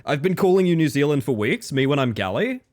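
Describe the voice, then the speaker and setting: A man's voice: fairly high pitch, big pitch swings, fast, a little mellow. A man with an Australian accent, chatting casually with his live-stream audience while gaming, reading chat aloud and swearing now and then.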